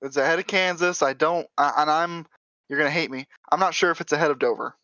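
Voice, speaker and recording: A man's voice: a little high, fast, sharp tone, dry recording, muffled recording. A man co-hosting a podcast, chatting casually in an easygoing way and laughing often. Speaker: podcast co-host. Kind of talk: casual chat.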